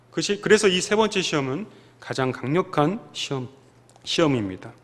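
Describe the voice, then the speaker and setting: A man preaching a sermon in a long-reverb church hall, his fairly high voice swinging widely up and down. He delivers it with emphasis and acts out the lines he quotes. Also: a bit bright. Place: church sanctuary.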